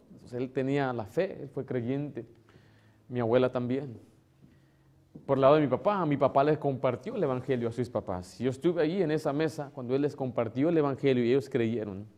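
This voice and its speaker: Man, pastor, sermon, emotional, loud bursts and hushed asides, mellow tone, mid pitch. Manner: emotional, swings between loud exclamation and soft tender asides; acts out voices of relatives in a higher tone.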